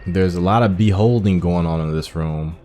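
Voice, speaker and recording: Guy with a really deep mellow voice just chatting through his video game playthrough, figuring it out as he goes. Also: moderate pace, soft background music. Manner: musing aloud, talking through each step. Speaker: gaming streamer playing through a video game. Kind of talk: casual let's-play commentary.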